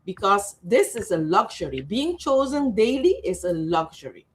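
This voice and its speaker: A woman speaks as a relationship coach and co-host on a conversational show. Her voice sits at a medium pitch. She phrases her points deliberately, leaning on key words for emphasis. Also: sing-song. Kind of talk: conversational talk show discussion.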